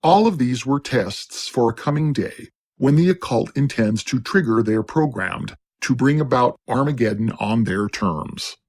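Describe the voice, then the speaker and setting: A man reading scripted narration in a steady, declaiming cadence. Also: mid-range voice, measured pace.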